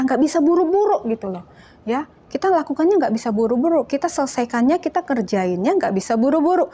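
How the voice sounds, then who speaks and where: A young woman teaching a children's church lesson, lively and playful, often acting out whiny children's voices. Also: fairly high pitch, slightly rough. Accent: Indonesian. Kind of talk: children's Sunday school lesson.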